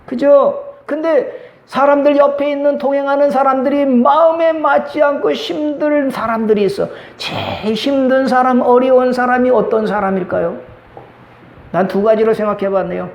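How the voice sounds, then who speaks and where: Man, pastor, sermon, lively delivery, high pitch, roomy church echo. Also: vocal fry, muffled recording. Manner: lively, acts out quoted dialogue. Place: church sanctuary.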